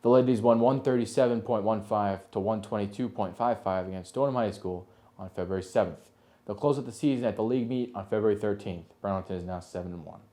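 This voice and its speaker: A man's voice: lowish voice, fast, warm tone. A man reading a local TV sports report, going steadily through scores and results.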